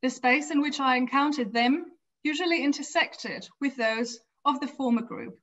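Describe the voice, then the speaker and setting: A woman giving an academic lecture from a home office over a video call, reading prepared text in a measured way with small restarts. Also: high voice, fairly bright tone. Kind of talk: academic lecture read from slides. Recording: slightly dull lo-fi video call audio.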